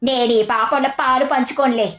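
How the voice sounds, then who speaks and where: A woman voicing a sharp-tongued village wife in a storybook tale, mocking and theatrical, with a greedy streak. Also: high voice, fairly even intonation, normal speed. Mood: mocking, scolding. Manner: scolding, sarcastic, theatrical. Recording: music behind the voice.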